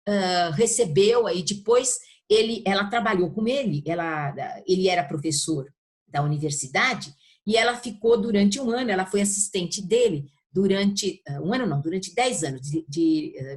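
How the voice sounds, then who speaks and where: Older Brazilian woman, halting academic talk. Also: mid-range voice, expressive. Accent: Brazilian Portuguese. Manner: halting, searching for words, with frequent check-in tags. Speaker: university literature professor being interviewed. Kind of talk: informal academic explanation in an interview.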